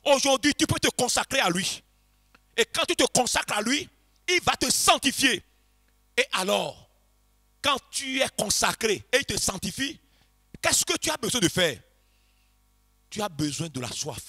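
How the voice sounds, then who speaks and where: Fervent high-voiced man preaching, half-chanting. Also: animated, normal speed, long pauses. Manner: impassioned, shouting and chanting repeated phrases. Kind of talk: revival sermon. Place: church congregation.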